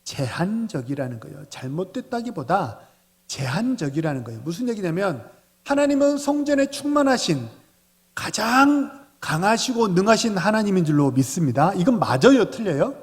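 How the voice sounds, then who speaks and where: A man's voice: high voice, normal speed. A man, the senior pastor, preaching a Sunday sermon and often putting questions to the congregation. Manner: animated, asks the congregation questions. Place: church sanctuary. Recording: long reverb of a church hall.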